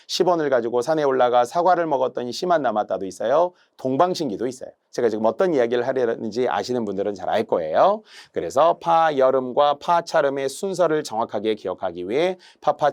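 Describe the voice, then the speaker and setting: Animated man giving an exam-prep lecture. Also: medium pitch. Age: middle-aged. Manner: lively, emphatic lecturing with drawn-out examples. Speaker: Korean language instructor.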